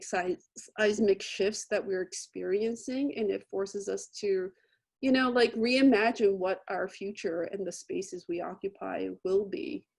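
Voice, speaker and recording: Slow, halting woman moderator. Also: mid-range voice, darkish tone. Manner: slow, halting, searching for words. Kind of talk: online panel introduction. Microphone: computer mic on a video call.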